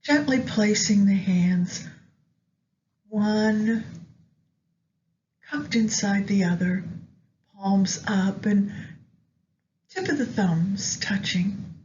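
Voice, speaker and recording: A woman narrating a guided meditation in a gentle, soothing, unhurried manner with long pauses. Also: medium pitch. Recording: dull lo-fi audio with background noise.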